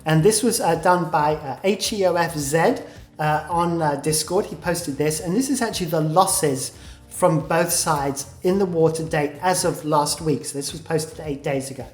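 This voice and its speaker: A woman giving a weekly gaming war update, talking through her analysis with frequent "uh" pauses. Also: deep voice, echoey room, faint music behind. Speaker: game news commentator.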